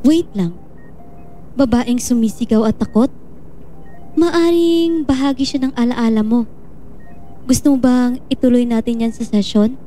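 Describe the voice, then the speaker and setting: An actress playing a gentle, reassuring woman doctor in a Filipino audio drama, speaking patiently and supportively. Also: on the high side, measured pace, long pauses, a little hiss or hum, natural voice. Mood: concerned.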